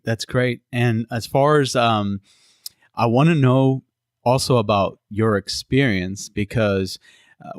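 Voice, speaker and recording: This podcast host, a man from Cuba, has a lowish voice captured in a dry recording. His casual interview talk stumbles along with frequent fillers and false starts.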